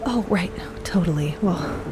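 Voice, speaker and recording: A woman's voice: fairly low pitch, lively intonation, measured pace, very noisy. A woman playing a friendly, awkward, eager crew member in an audio fiction show, talking in a casual, rambling way.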